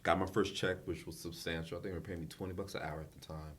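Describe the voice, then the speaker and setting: A man from South Central Los Angeles, a podcast guest, telling his story in a relaxed, animated way. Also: low-pitched, fast talker. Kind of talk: casual storytelling.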